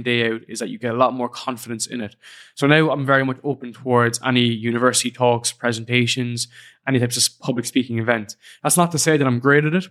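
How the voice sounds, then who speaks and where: A man's voice: mid-range voice, a bit bright. A young man with an Irish accent, hosting his own podcast and reflecting in a casual, earnest way. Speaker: podcast host. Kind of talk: solo podcast monologue. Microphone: studio podcast microphone.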